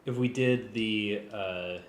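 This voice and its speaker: A man with a lowish voice talks through work casually, pausing as he thinks aloud. His manner is hesitant. The room is echoey, with a little noise behind him. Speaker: music arranger rehearsing for a live script reading. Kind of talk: casual working discussion.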